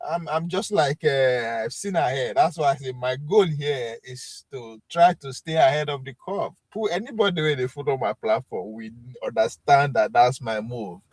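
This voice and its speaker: A man's voice: medium pitch, moderate pace, hardly any pauses, dry recording. A man with a Nigerian accent hosting a live stream, chatting with commenters in a rambling, self-assured way with many fillers. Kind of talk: casual chat with chat commenters.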